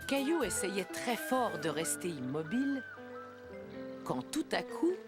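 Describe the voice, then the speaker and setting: A woman narrating a French children's cartoon in a gentle storybook tone. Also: mid-range voice, very animated, measured pace. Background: background music.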